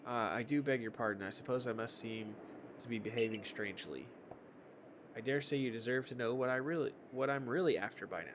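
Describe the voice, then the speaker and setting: A man's voice: medium pitch, brisk, noisy background, voice pushed down, natural voice. A man reading a video game villain's lines aloud in character, formal, grandiose and menacing, as a schemer obsessed with meeting a god. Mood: measured, secretive. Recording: loud music behind the voice.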